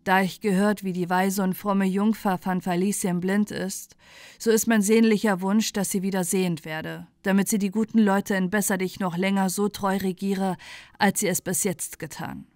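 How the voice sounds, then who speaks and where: A woman's voice: medium pitch, fairly even intonation, normal speed, darkish tone, no echo, clean studio sound, close to an everyday voice. A woman voicing a repentant, solemn king in a fairy tale, speaking formally. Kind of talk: storybook character voice.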